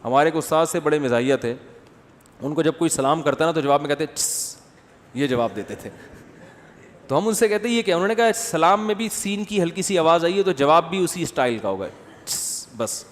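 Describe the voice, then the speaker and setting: A man delivers a humorous religious talk, his voice pitched a little high. He tells stories with comic impressions and works through audience questions. The sound carries a long hall reverb. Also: animated. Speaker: Islamic scholar answering questions.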